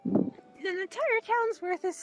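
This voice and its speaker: A woman's voice: very high-pitched, slow pace, a crowd in the background. A woman voicing an anxious young mage in a voice roleplay, stammering and hesitant. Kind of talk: voice roleplay in a social VR world.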